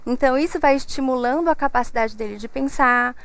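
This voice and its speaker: Brazilian woman speech therapist on tv, calm soft explaining, voice a bit high. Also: quick pace, smooth. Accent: Brazilian Portuguese. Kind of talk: explaining as expert guest.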